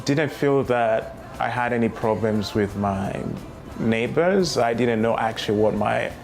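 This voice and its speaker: A man in his thirties from Rwanda, recounting his life story in a reflective, unhurried way with many fillers. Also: mid-range voice, vocal fry. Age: 30s. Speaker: memoir writer telling his life story. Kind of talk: personal testimony. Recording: music playing underneath.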